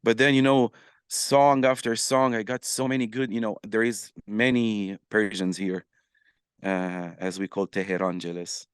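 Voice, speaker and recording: Smooth-voiced man. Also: fairly low pitch, measured pace, dry recording, clean studio sound. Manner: animated, many fillers and restarts, acts out quoted messages. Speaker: podcast guest, musician and influencer. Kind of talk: casual interview storytelling.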